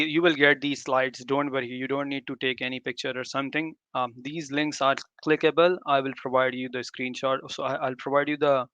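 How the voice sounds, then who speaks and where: Man, native Urdu speaker, mid-pitched, crisp tone, informal developer demo, rephrases often. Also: fairly bright tone, no echo. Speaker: tech presenter. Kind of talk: live demo talk to developers.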